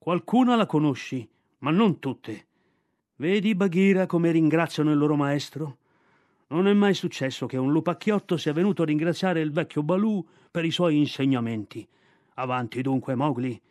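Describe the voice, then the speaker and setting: A man voicing a gruff, stern yet fond old bear who teaches a boy the jungle's laws. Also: fairly high pitch, animated, normal speed, a little mellow, no room sound, studio quality, natural voice. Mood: gruff, scolding.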